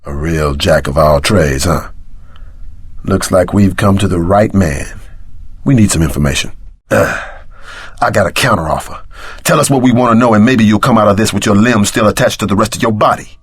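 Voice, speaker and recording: Voicing a tough, streetwise, wisecracking sidekick in an action video game, a male actor uses a husky, fairly low voice with gruff, slangy delivery. He talks at normal speed and sounds menacing and cocky.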